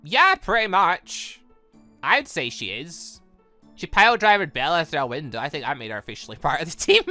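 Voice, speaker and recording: A woman giving casual let's play commentary, reading game dialogue aloud and rambling as she thinks out loud with animated reactions. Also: low voice, normal speed, soft background music. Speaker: gaming channel host.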